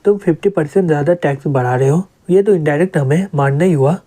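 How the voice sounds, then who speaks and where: A man's voice: on the high side, fast, warm tone, close to an everyday voice. A man voicing a poor, aggrieved older male village elder in a comic recap.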